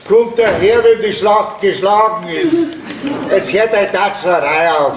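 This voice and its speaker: Old Bavarian farmhouse grandfather, sharp-tongued, folk comedy, echoey stage, noisy background. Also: high voice, expressive, unhurried, distant mic. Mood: grumpy, teasing. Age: older. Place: theatre stage before an audience.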